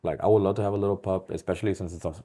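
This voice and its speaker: A man with a very deep voice that sounds hoarse and worn out from singing. He banters loosely and profanely as a podcast co-host, dropping in the odd Spanish phrase. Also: fairly even intonation, rapid-fire, warm tone. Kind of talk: casual podcast chat.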